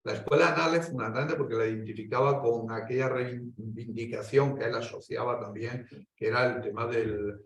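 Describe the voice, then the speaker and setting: A Spanish-accented man on an academic panel, rambling through his argument with frequent restarts and sudden rises in pitch. His voice has a gravelly edge. He is picked up from some distance in an echoey hall. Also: brisk, hardly any pauses, slight background noise. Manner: discursive, hesitant restarts, animated rises. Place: lecture hall.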